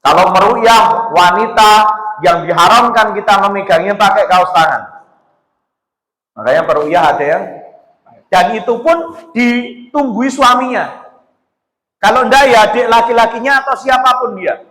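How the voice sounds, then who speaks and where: A male Islamic preacher, giving a casual, animated sermon to a women's study group. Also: high voice, measured pace, long pauses. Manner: casual preaching, mixing Javanese words, animated. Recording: echoey hall reverb.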